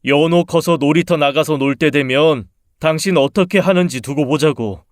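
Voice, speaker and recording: A resentful husband, grown and accusing, voiced by a man for a radio-drama story. His voice sits a little high and comes across dry and close, with nothing around it. He needles and reproaches in a sour tone. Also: normal speed, dry recording, close to an everyday voice.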